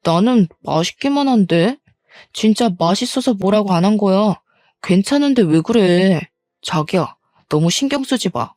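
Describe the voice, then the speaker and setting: Woman voicing a gentle young husband. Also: medium pitch, expressive, normal speed, no echo, studio quality, soft background music, natural voice. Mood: soothing. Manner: soft, soothing.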